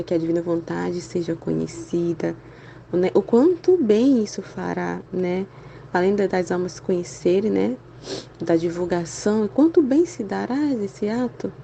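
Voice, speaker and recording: Chatty woman, gravelly, unwell. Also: fairly low pitch, slight background noise. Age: adult with a school-age son and husband. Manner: chatty, constant "né?" tags, animated exclamations. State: feeling unwell, weary. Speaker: Catholic channel presenter. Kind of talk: casual spiritual talk.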